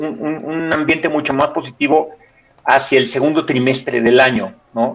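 This man talks at a moderate pace in a fairly high pitch, with an ordinary speaking voice. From Mexico. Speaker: podcast panelist. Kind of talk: casual panel discussion.

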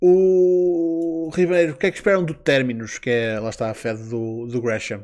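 A man's fairly high voice with lively intonation, on a very clean recording with a silent background. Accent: European Portuguese. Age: 20s. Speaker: wrestling podcast host. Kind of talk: casual chat. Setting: live stream.

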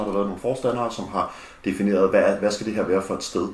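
Talking at a very fast pace, a man with a fairly low pitch is heard in a room with audible echo. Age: 30s. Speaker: role-playing summer school co-director. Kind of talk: casual interview. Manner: hesitant, many fillers.

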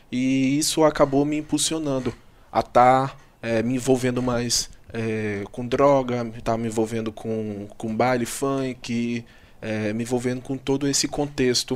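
A man speaks at a fairly slow pace with a medium pitch. His intonation is fairly even, and he has a plain, everyday voice. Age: 20s. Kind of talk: testimony.

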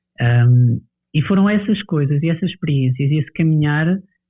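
A man with a European Portuguese accent, fairly high pitch, and ordinary pitch variation. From Portugal, Bairrada region. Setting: remote call from Portugal.

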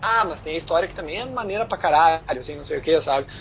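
A man speaks in a high voice with ordinary pitch variation over noticeable background noise. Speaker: podcast panelist. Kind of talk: casual chat.

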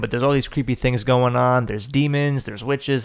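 A man speaks at a medium pitch. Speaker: video game podcast co-host. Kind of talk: casual chat. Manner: loud.

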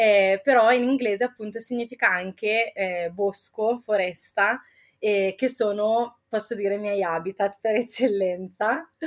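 The voice belongs to a woman with a fairly high pitch. She speaks at a fairly slow pace with fairly even intonation. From northern Italy, province of Bergamo. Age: 20s. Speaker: wood pyrography artisan. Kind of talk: interview conversation. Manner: hesitant, with fillers and repetitions.

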